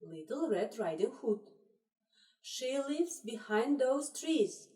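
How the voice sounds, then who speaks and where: A woman English teacher giving a lesson to young children, encouraging and repeating instructions slowly. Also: fairly high pitch, big pitch swings, warm tone. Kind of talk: classroom lesson for young pupils. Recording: roomy echo, distant mic.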